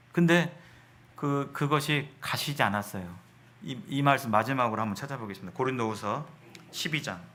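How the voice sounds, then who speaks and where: Guy preaching a sermon, bright sharp voice, asks stuff then answers it himself, restarts words a lot. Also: mid-range voice. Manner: asks the congregation questions and answers them himself; reads scripture slowly.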